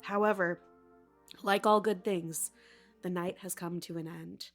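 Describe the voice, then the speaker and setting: A woman's voice: on the low side, fairly even intonation, measured pace, faint music behind. Lady narrating a silly little story, playful, a bit mock epic. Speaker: podcast host and narrator.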